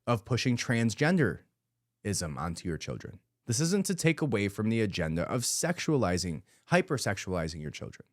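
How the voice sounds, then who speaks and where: A man's voice: medium pitch, no room sound, clean studio sound. A man hosting a podcast, giving an emphatic, indignant commentary monologue and repeating his points for emphasis. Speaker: podcast host.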